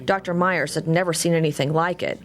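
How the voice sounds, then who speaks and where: A woman's voice: deep voice, fairly even intonation, a little fast. A woman working as a television news reporter, delivering scripted narration and questions for a human-interest story.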